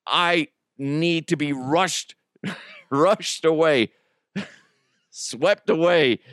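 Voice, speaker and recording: A man's voice: fairly high pitch, a bit bright, no echo, clean studio sound. A middle-aged man hosting a podcast as a casual, jokey solo monologue with crude humor. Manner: jokey, crude, acts out imagined exchanges. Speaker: podcast host.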